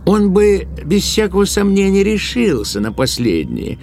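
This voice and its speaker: A man's voice: sits high, huge pitch swings, measured pace, vocal fry, darkish tone, slight background noise. A man narrating a literary tale as the storyteller of an audio play.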